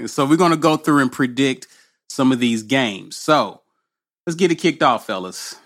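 A man's voice: mid-range voice, a little slow, fairly bright tone. A man hosting a casual sports podcast, upbeat and steering the conversation. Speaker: podcast host.

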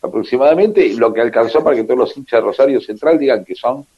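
A man's voice: medium pitch, fast talker, husky, muffled recording. A man with an Argentine accent hosting a radio show in a wry, joking way. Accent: Argentine Spanish. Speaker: radio host. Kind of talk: casual radio chat.

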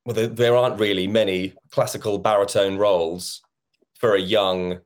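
A man talks in a relaxed, chatty way, slipping into little quoted exchanges as he tells his story. He is in his thirties, and his voice sits on the low side. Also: normal speed. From England. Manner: chatty, acts out quoted conversations. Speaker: musical theatre actor, guest. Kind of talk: casual interview chat.

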